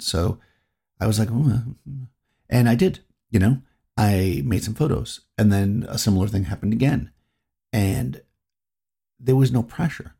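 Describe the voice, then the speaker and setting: Here a middle-aged New Englander muses alone on the podcast he hosts, wandering and doubling back as he goes. He speaks in a lowish, mellow, husky voice with vocal fry.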